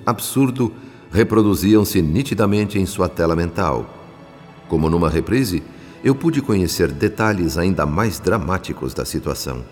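A Brazilian man narrates a radio drama from a script, with a Brazilian accent. His very deep voice carries long reverb, with faint music underneath.

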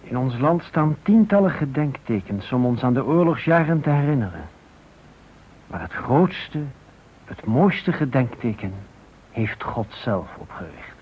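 A man giving solemn, sermon-like scripted radio narration, emphatic and rhetorical with dramatic pauses. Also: mid-range voice, sing-song. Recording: thin phone-like band, faint noise.

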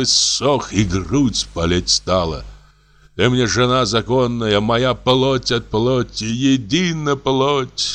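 A man playing a lamenting spendthrift, self-pitying, drawn-out sighing delivery, audiobook. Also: medium pitch, a bit bright, pitched above the performer's own voice.

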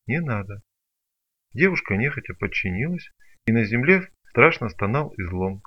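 A man narrating an audiobook in an expressive storytelling manner. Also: lowish voice. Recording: dull lo-fi recording.

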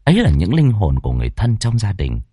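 A man's voice: fairly low pitch, wildly swooping pitch, quick pace, warm tone, husky, dry recording, clean studio sound. A man telling a horror story in a vivid, dramatic narrating voice.

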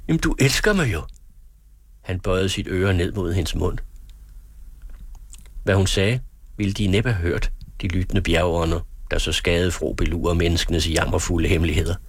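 A man narrating a classic novel in a very low, husky voice. He reads in a measured, earnest way, close on the mic in a dry, dead room. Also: flat delivery, no echo. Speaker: audiobook narrator. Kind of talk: literary audiobook narration.

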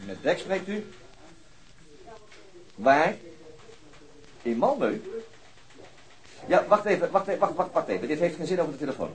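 Senior investigator, articulate and wry, very varied intonation, radio drama. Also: male voice, a little high, sing-song, moderate pace, pauses often, low-quality recording. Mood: hurried, urgent. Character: senior police investigator, deliberate, wry, easily exasperated. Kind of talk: Dutch radio crime drama acting.

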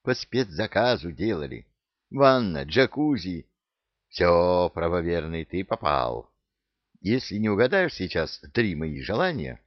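A man's voice: low-pitched, very animated, measured pace, no echo, dull audio, heavily acted. A man putting on a hissing angry genie woman. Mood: menacing. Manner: hissing, sarcastic. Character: fierce female genie, hissing and domineering.

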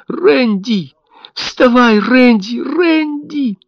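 A young mother in hysterical despair, as a male audiobook narrator puts her on, her voice pushed up high as she shrieks and pleads. Her lines swing sharply in pitch. The recording is dry and a little dull. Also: animated, unhurried, fairly bright tone, no room sound. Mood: frantic.

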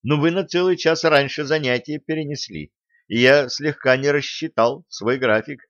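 A man's voice: a little high, normal speed, fairly bright tone, no room sound, dull audio, voice pushed up, close to an everyday voice. A man voicing a sheepish, cheeky young martial arts student who mumbles his apologies. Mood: apologetic.

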